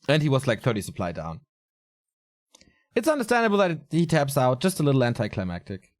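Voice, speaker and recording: A man commentating a strategy game alone, casual and chatty, his voice a little raspy and tired. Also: medium pitch, big pitch swings, fairly quick. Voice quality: casual, chatty delivery with fillers. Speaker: esports caster.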